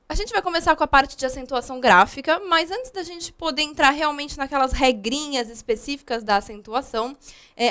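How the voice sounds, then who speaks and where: A woman's voice: high voice, a bit bright. A young woman from Brazil teaching a grammar video lesson, explaining patiently with frequent fillers.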